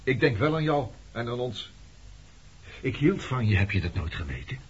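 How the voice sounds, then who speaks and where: A man's voice: medium pitch, very animated, normal speed, slightly rough. An actor playing a brooding former resistance man turned skipper, probing and bitter with an old lover in a radio play. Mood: insistent, reproachful. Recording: dull, noisy old radio play recording.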